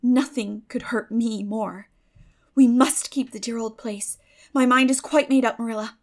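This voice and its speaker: Woman playing an eager, high-voiced teenage girl. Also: steady tone, a little slow, a little mellow. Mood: determined, hopeful. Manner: eager, effusive, dreamy, emphatic. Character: bright, determined, idealistic sixteen-year-old girl. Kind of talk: dramatic audiobook reading of a classic novel.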